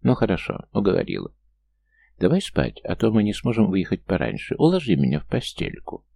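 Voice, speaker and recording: A man reading an audiobook voices a tiny male gnome trickster who is petty, squeaky and whines indignantly. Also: very animated, brisk, creaky, dark tone, exaggerated voice.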